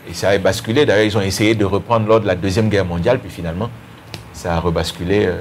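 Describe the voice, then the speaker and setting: A man from Cameroon whose first language is Bassa, a guest explaining history in a panel discussion with frequent restarts. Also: steady tone, fast, a little hiss or hum. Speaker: guest commentator.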